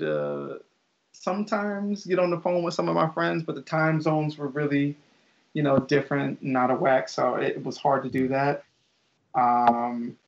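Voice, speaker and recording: A man's voice: on the high side, creaky. A young man, a teacher, chatting casually as an interview guest, rambling with lots of fillers and restarts. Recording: dull lo-fi audio.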